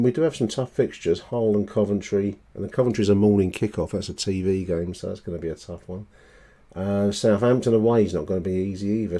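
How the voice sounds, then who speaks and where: Low, mellow-voiced male podcast host. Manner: halting, self-correcting, matey, tag questions. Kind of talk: casual fan podcast commentary on voicemails.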